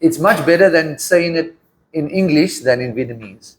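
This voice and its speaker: A man's voice: a little high, lively intonation, normal speed, slight background noise. A man with a South African accent, teaching an English class in casual talk and often checking in with his students. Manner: patient, checks in often with questions.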